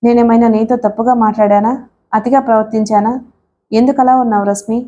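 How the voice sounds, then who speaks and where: A woman's voice: a little high, fairly even intonation, brisk, dark tone, natural voice. A woman voicing an eager young man who asks insistent, anxious questions in an audiobook.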